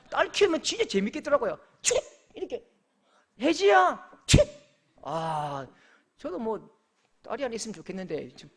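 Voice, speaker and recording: A man's voice: high-pitched, slightly rough. Give me a Korean pastor from the region, preaching animatedly and putting on voices in his stories. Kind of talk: sermon.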